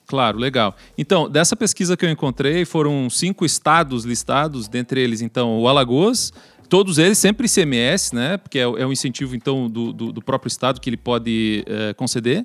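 A man speaks with a rural Brazilian accent at a moderate pace, his intonation lively. The sound is dry and close, with no echo. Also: medium pitch for a man. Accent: Brazilian countryside. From Brazil, countryside. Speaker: podcast co-host. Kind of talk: casual chat.

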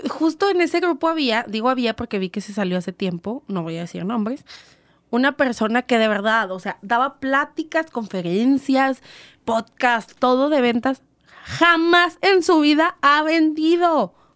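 A woman's high-pitched voice with very wide pitch swings at a fairly slow pace, in a dry, close sound with no echo and a very clean recording with a silent background. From Torreón, Coahuila, northern Mexico. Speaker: entrepreneur, domestic staffing business owner. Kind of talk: casual interview. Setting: radio studio.

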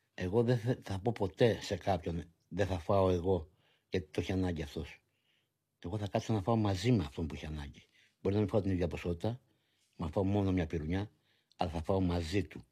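At a moderate pace, a somewhat breathy voice with a dark, mellow tone and ordinary pitch variation leaves long, frequent pauses, captured in a very clean recording with a silent background. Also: man, very deep, low pitch for a man. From Greece, Athens area (Egaleo). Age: 50s. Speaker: founder of a social kitchen for the homeless. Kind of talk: casual interview.

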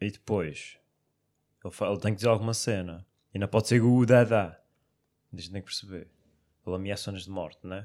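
A man with a fairly low pitch talks at a fairly quick pace, using long, frequent pauses and fairly even intonation. The recording is very clean, with a silent background. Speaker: podcast co-host. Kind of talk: casual chat.

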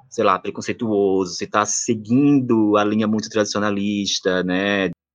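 Fairly low male voice at a moderate pace, with music playing behind it. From Aracaju, Sergipe, northeastern Brazil. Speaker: psychologist and sexologist. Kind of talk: interview.

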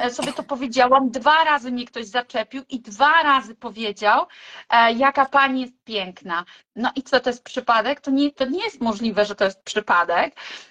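A woman uses a raised, projected voice with a high pitch and a bright, sharp tone. The recording is dry and close with no echo, and the background is quiet. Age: 40s. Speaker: nutrition and health coach. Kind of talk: casual chat. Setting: video call.

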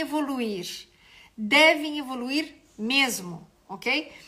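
A woman's high, raised and projected voice, bright and sharp in tone, with lively intonation. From Brazil. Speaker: nutritionist. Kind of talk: live-stream talk. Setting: live video stream.

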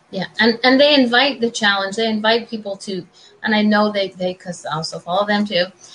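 A woman speaks in a fairly high pitch with ordinary pitch variation. Noticeable background noise sits behind her. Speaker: podcast host. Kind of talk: casual chat.

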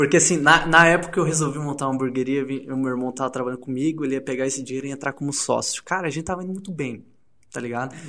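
A man speaks at a very fast pace with a fairly high pitch and fairly even intonation. His tone is bright and sharp, against a quiet background. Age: 20s. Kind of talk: casual chat.

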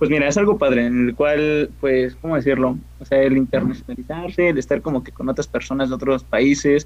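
Hardly pausing at all, the speaker goes at a fairly quick pace. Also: man. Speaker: podcast co-host. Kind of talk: casual chat.

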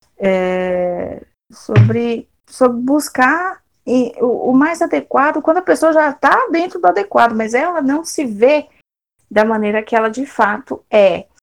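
A woman speaks with a high voice and very wide pitch swings. Her pace is fairly slow. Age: 30s. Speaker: podcast host. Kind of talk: casual chat.

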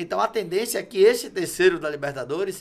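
A man has an ordinary speaking voice. He talks at a moderate pace with lively intonation. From Bahia, Brazil (Salvador and Feira de Santana). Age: 30s. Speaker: sports reporter. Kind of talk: casual chat.

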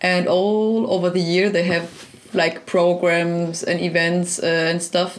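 Against noticeable background noise, a woman speaks at a very slow pace with a fairly low pitch, a monotone, flat intonation and very even loudness. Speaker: podcast host. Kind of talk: casual podcast conversation.

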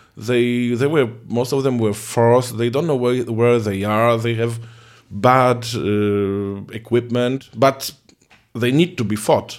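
A man with a Polish accent talks at a very slow pace. His pitch is medium and his intonation fairly even. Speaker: podcast host. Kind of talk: casual interview.

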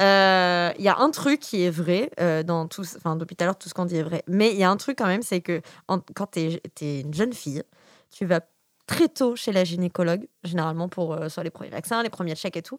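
Here a woman speaks at a moderate pace and a fairly low pitch. The recording is very clean and dry, close with no echo, and the background is silent. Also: ordinary pitch variation. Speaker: author and Instagram creator. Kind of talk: casual chat. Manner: animated.

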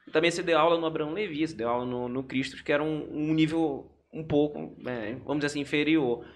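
Ordinary pitch variation and a fairly quick pace come through in a normal speaking voice. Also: man, fairly high pitch for a man. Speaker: podcast host. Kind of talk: casual chat.

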